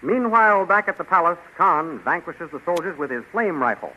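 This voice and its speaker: A man narrates an adventure serial in a dramatic announcing style, his pitch rising and falling freely. The recording is dull and hissy, like a 1930s radio transcription. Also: expressive, fairly quick.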